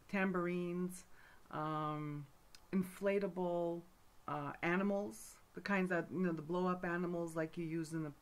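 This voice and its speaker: Rambling middle-aged woman, lowish voice. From Montreal, Canada. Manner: rambling, with many fillers and asides. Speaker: folk magic teacher. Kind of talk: casual talk to camera.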